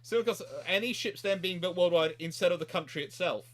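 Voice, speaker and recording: A man hosting a casual naval history stream, explaining in a halting, digressive way and often correcting himself mid-thought. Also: sits high. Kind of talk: casual unscripted expert discussion. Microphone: voice call or live stream microphone.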